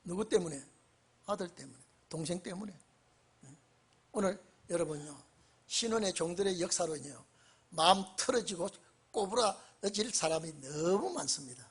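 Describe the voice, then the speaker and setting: A male pastor giving an evening church sermon, emphatic and prodding his congregation with repeated questions, swinging between loud bursts and quiet low phrases. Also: animated, normal speed, pauses often, husky. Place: church sanctuary during an evening service.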